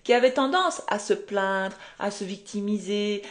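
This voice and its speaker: A woman's voice: medium pitch, unhurried. A woman coaching viewers on a live stream from home, conversational and explanatory, acting out quotes and asking rhetorical questions. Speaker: manifestation coach.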